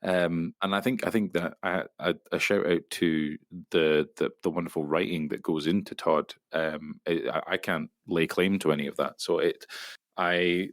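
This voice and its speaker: A man's voice: a bass voice, dry recording, clean studio sound. A man, an actor guest, modestly crediting the writing, with many stammered restarts. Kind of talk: casual interview chat.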